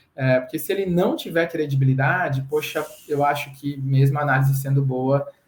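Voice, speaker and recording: A man speaks at a moderate pace in a fairly high pitch. His voice is somewhat breathy. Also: fairly even intonation. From São Paulo, Brazil. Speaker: corporate executive speaker. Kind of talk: conference talk.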